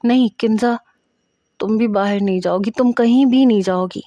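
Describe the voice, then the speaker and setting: Scared young student in a storybook reading, insistent and pleading , as a woman narrator puts her on, mellow tone. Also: on the high side, no echo, dull audio, lightly acted.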